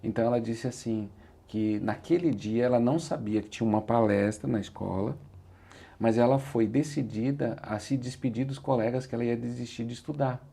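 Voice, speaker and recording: Speaking fairly quickly in a mid-range voice that is gravelly and mellow with a breathy edge, a Brazilian Portuguese-accented motivational speaker recounts his life as an interview guest. He is earnest and thoughtful, using "said like this" again and again to introduce his own words.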